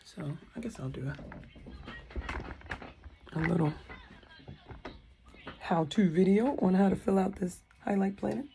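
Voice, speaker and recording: Raspy hoarse mom vlogging at home on her phone, kinda gravelly and warm, thinking out loud. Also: medium pitch, a little slow, pauses often, soft background music. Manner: rambling, thinks aloud, self-correcting. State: hoarse from a sore throat. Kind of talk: casual talking-to-camera vlog. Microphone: phone on a tripod. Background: faint kids' show audio.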